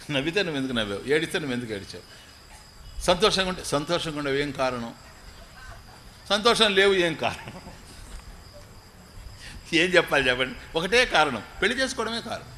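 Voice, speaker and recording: A man gives a storytelling religious discourse in a bright, forceful, slightly high voice. He chants scripture lines slowly, then explains them in everyday talk with jokes. Faint crickets and light noise sit behind him. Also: sing-song. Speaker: spiritual teacher giving a discourse.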